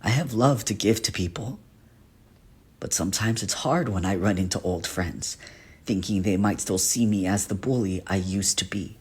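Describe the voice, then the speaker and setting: A man acting a husky, earnest, haunted guardian. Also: fairly low pitch, moderate pace, darkish tone. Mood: earnest, reflective. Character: gentle guardian teacher, male shapeshifter haunted by a painful past. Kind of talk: dramatic character monologue for a voice reel.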